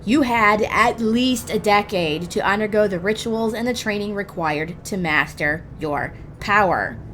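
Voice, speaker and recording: A woman hosting an instructional guide, reading scripted narration in a measured, deliberate way with emphatic pauses. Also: medium pitch, fairly bright tone, a little hiss or hum. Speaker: host of a roleplay guide series.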